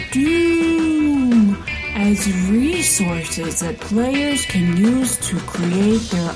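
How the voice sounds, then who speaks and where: Laid-back surfer turtle doctor, played by a woman, unhurried promo read for a podcast, guitar music underneath. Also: medium pitch.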